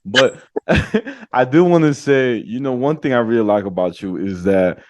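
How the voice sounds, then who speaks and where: A man hosting a podcast, chatting warmly and casually with his guest, restarting sentences and laughing. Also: mid-range voice, animated, moderate pace, dry recording. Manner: friendly, hesitant restarts, laughs. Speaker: podcast host. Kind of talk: casual interview chat.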